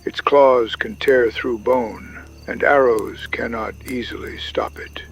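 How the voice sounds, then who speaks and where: A man playing a solemn older Native American chief in an audio drama, speaking gravely and with foreboding. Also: mid-range voice, fairly even intonation, slow, slight background noise. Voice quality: gravelly, creaky. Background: music and night insects.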